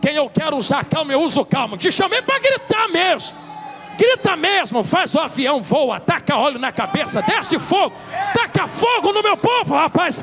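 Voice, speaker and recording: Over music in the background, a man is shouting at an extremely high pitch. His pitch swings very widely while his loudness stays very even. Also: moderate pace. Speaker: pastor. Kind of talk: sermon. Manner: loud, shouting.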